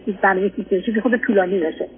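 A woman's voice: mid-range voice, steady tone. Middle-aged Iranian woman on a tinny phone line. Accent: Iranian Persian. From Iran. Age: 50s or older. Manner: hesitant, polite and deferential. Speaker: caller seeking advice. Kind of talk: personal account on a radio advice call. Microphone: phone call to a radio show.

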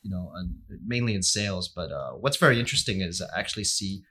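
A man in his forties from Hong Kong talks as a podcast guest in a fairly low voice. He answers loosely, peppering his speech with "uh" and small laughs. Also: quick pace, breathy edge. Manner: relaxed, many "uh" fillers, chuckles often. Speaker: podcast guest, finance professional. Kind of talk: casual interview answers.

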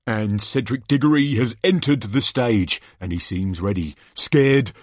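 A man voicing a bombastic sports announcer from a storybook, a booming showman with drawn-out theatrical calls. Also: no room sound, studio quality, lightly acted. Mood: excited, dramatic. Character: bombastic male sports announcer hyping a tournament.

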